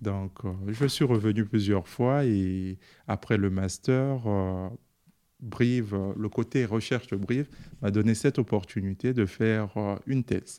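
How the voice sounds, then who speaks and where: A man speaks at a very slow pace in a fairly low voice, with ordinary pitch variation. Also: quiet background. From Republic of the Congo (Brazzaville). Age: 30s. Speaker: tech entrepreneur and engineer. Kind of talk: interview.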